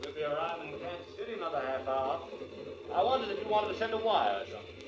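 An actor playing a polite, deferential train porter in a 1940s radio drama. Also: male voice, a little high, animated, fast talker, lightly acted. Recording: muffled old radio recording.

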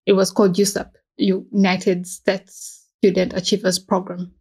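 A woman's voice: medium pitch, monotone, measured pace, darkish tone, slightly rough. Young Ugandan woman telling her story. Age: 20s. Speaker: interviewed alumna, history PhD student. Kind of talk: personal storytelling, conversational.

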